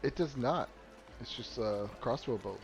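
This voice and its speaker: A man's voice: mid-range voice, a little slow, gravelly, darkish tone, highs cut off. A man narrating a tabletop game as game master, casual and rambling, often breaking into laughter.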